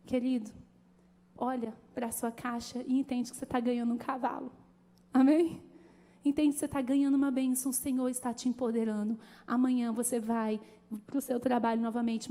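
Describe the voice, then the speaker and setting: A woman pastor preaching a sermon in an animated, conversational way, calling out to the congregation. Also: a little high. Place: church. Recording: long church hall reverb.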